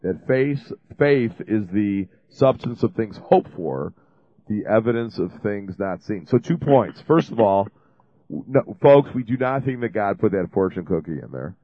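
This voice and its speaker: A man's voice: fairly low pitch, lively intonation, measured pace, no echo, dull audio. A man hosting a call-in radio show, talking in a chatty, rambling, jokey way while he has a cold. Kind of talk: casual call-in radio talk. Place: radio studio.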